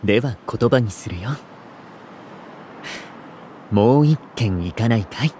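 An actor playing a courteous, bookish young food streamer in an audio drama, speaking in formal, literary, gentlemanly phrases. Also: male voice, fairly low pitch, expressive, slow, slight background noise. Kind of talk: Japanese audio drama acting.

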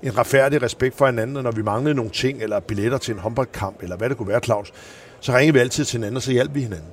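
A man, a former handball coach, telling animated stories in an interview and acting out the people he quotes. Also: mid-range voice, a little hiss or hum. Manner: animated, acts out quoted voices in anecdotes. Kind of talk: anecdotal interview storytelling.

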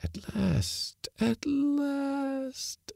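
A man voicing an eerie spirit that gloats in a drawn-out, repetitive singsong. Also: very high-pitched, vocal fry, a little mellow, dry recording, clean studio sound, voice pushed up, full character voice. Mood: gloating, yearning. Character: eerie high-voiced spirit, gloating after a long wait.

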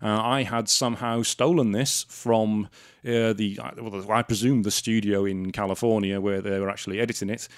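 A man's voice: lowish voice, steady tone, moderate pace, no room sound, studio quality. A man from South Wales hosting a podcast, telling a story in an indignant, sarcastic way. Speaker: podcast host. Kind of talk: casual storytelling monologue.

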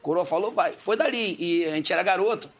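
A man's voice: sits high, brisk, a bit bright. A man telling a playful story in casual chat, mimicking percussion sounds and the voices of others. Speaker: guest, musician.

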